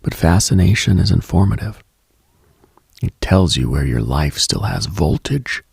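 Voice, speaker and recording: Late-night radio host, male, very husky with gravelly fry, contemplative, halting delivery, intimate reflective monologue. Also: deep voice, lively intonation, a little mellow, no room sound, clean studio sound. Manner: slow, contemplative, halting with pauses.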